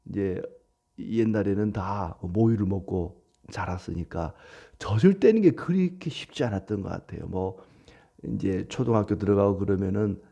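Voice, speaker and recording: A man preaching a sermon as a pastor, animated, with acted quotes. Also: fairly low pitch, gravelly, highs cut off.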